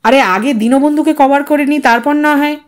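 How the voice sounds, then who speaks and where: Woman as a brisk high-pitched TV reporter. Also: natural voice. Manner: professional, insistent questioning. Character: brisk, pushy male television news reporter. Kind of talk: audio story dialogue.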